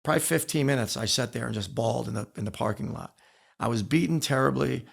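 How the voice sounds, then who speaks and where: Gravelly-voiced man telling stories emphatically. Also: mid-range voice, quick pace. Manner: emphatic, repeats phrases for weight. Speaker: interview guest, former wrestler and coach. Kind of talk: candid storytelling in a podcast interview.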